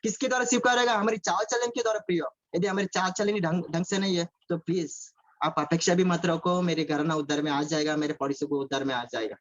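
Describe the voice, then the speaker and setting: A man's voice: high-pitched, steady tone, quick pace, fairly bright tone. A man preaching a sermon over a video call, repeating phrases, asking his listeners questions and mixing in English words. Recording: dull lo-fi call audio.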